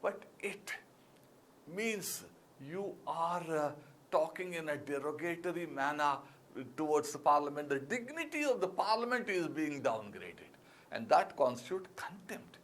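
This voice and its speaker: A man's voice: a little high, big pitch swings, measured pace, fairly bright tone, a little hiss or hum. A man with an Indian English accent giving a classroom lecture as an exam-prep teacher, emphatic and repeating key words, with frequent fillers. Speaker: civil services exam teacher.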